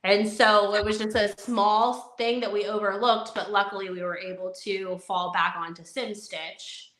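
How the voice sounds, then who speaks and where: A woman's voice: mid-range voice, steady tone, moderate pace, fairly bright tone, roomy sound. A woman co-hosting a live podcast, chatting in an upbeat way and giving practical advice. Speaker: podcast co-host. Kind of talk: casual live podcast chat.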